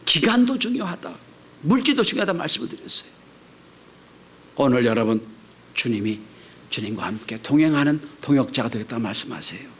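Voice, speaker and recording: A middle-aged man preaches a Sunday sermon. His voice is lively and animated, climbing to ringing high cries before sinking into hushed, whispered passages. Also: brisk, long pauses, slight background noise. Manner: dramatic swings between loud exclamations and hushed whispers. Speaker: pastor.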